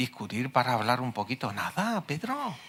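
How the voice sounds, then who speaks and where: Bright and sharp in tone, a man's medium-pitched voice moves at a moderate pace. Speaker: doctor giving a lecture on ageing. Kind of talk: Q&A after a public lecture. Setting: lecture hall with audience.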